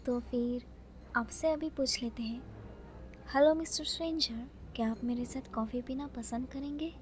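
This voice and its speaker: A woman's voice: high voice, measured pace, long pauses. A woman acting a shy, bookish young woman with a sweet, earnest manner in an ASMR romance roleplay, with some background noise. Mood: playful.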